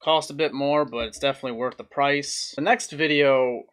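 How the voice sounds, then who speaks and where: A young adult man giving a casual food review to camera, speaking plainly in short, halting phrases. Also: medium pitch, fairly even intonation, fairly bright tone. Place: small room indoors at home.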